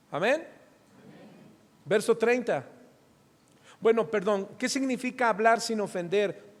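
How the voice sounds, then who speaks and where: A middle-aged Mexican man preaching a sermon as pastor, asking the congregation questions and acting out little scenes from family life. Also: sits high. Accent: Mexican Spanish. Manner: preaching with rhetorical questions and acted-out anecdotes. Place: church hall. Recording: reverberant church hall.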